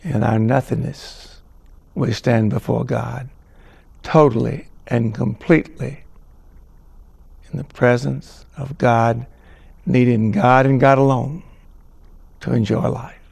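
A man opens a religious TV program with a solemn devotional reading. He speaks slowly and with weight. A gravelly edge runs through his voice. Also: medium pitch, fairly even intonation, a little mellow. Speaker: announcer introducing the show.

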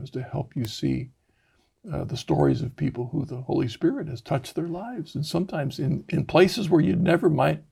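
Man, talk show host, gravelly, breathy voice, rambly self-corrections. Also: fairly high pitch, darkish tone. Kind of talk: conversational interview.

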